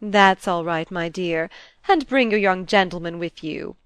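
A woman's voice: fairly low pitch, a little slow, a bit bright, clear, resonant tone, no room sound. A woman voicing a flamboyant older society hostess with a round, rolling voice and a brash, effusive manner. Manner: effusive, brash, hail-fellow. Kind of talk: audiobook character voice.

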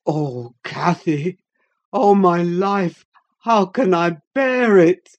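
A woman's voice: on the low side, very slow, a little mellow, highs cut off. A woman putting on a despairing, savage man. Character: desperate, savage man in anguish.

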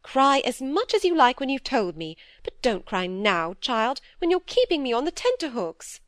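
A stern old spinster, as a woman reader puts her on, raised a little in pitch and sharp with authority. She scolds briskly and impatiently, every word a command. The recording is dry and close. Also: big pitch swings, no echo. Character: stern, brisk elderly spinster elder sister.

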